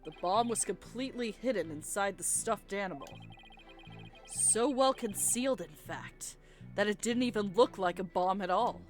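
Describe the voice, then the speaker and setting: A woman's voice: mid-range voice, moderate pace. A woman hosting a let's play, reading video game dialogue aloud and chatting casually. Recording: game music behind. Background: video game music.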